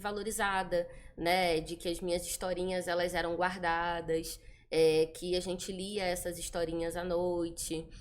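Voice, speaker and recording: A woman with a Rio de Janeiro accent, her fairly low voice at a fairly slow pace. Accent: carioca, hissing S. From Brazil, Rio de Janeiro (carioca). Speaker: children's book author. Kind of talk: interview.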